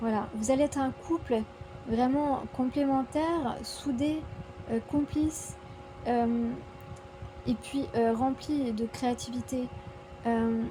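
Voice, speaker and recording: Very slow speech with long, frequent pauses, fairly even intonation and noticeable background noise. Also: woman, high pitch for a woman. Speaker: tarot reader. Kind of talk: psychic guidance reading. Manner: hesitant, many fillers.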